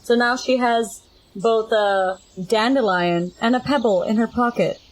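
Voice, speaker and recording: A woman's voice: a little high, measured pace, no room sound, poor audio. A woman playing a tabletop game, casually describing what her character does and chatting. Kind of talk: casual in-game narration and chat.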